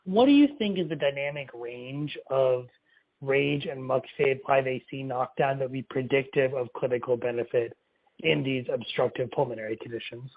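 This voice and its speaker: A man's voice: mid-range voice, normal speed, dry recording. A man speaking as a financial analyst, asking technical questions on an earnings call with slightly dull audio.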